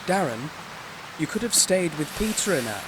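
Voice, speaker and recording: A man's voice: a little high, sing-song, normal speed. Man playing a swooping, prissy, theatrical gay husband. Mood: arch. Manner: pompous, melodramatic, arch. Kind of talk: comedy audio drama dialogue. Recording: clearly noisy, rain-like background.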